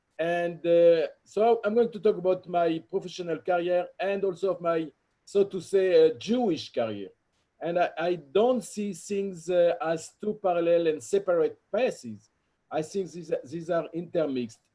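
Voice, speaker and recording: A dark, mellow tone in a French accent, at a fairly slow pace with ordinary pitch variation. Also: man, high pitch for a man. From France. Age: 60s. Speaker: aerospace engineer. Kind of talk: talk to a congregation. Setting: video call. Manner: halting.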